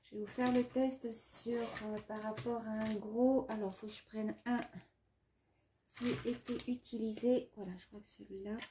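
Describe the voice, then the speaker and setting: A woman's voice: on the high side, little pitch movement, moderate pace, noisy background. A woman vlogger chatting casually about art supplies, sniffling from a runny nose and hesitating often. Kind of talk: casual chat.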